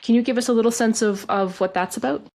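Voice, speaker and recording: A woman's voice: a little high, fairly even intonation, quick pace, a little mellow. A woman hosting an interview, asking questions in a casual, conversational way with some restarts. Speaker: podcast host.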